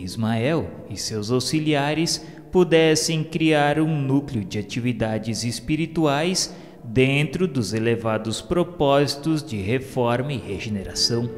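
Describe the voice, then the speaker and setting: A man with a Brazilian accent reading scripted religious narration for a radio drama in a solemn, formal, measured way. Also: mid-range voice. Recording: long reverb, music underneath. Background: music.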